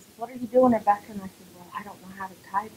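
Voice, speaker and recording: A woman with an American accent speaks with fairly even intonation over noticeable background noise. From US Southwest (Chicana, Utah). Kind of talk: testimony.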